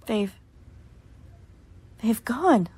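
A young woman playing a tense, scolding college girl trying to stay sensible, in a halting, emphatic suspense radio play style. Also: fairly high pitch, lively intonation, darkish tone. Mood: tense, hushed. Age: young adult. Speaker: radio drama actor. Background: music.

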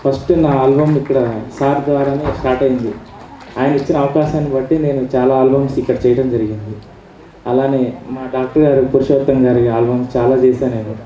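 Soft-spoken man thanking an audience in a hall. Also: medium pitch, fairly even intonation, brisk, a little hiss or hum. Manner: soft, hesitant, with fillers. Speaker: honored music director. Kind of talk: thank-you speech. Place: auditorium stage. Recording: echoey hall from far off.

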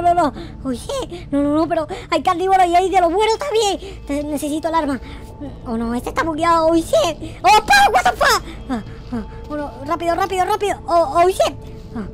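An excitable, naive noob from a video game roleplay acted by a man. The voice is very high and swings widely in pitch, with frantic, repetitive exclamations. Faint music plays behind it. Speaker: gaming video creator. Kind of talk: excited Minecraft roleplay commentary.

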